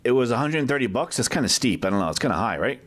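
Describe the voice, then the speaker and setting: A man's voice: medium pitch, very animated, very fast. A man giving a casual shop tour as a vlog host, chatty and off the cuff, often tacking questions onto his remarks. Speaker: video host and comic collector. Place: inside a packed medium-sized shop. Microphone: handheld camera held by the speaker.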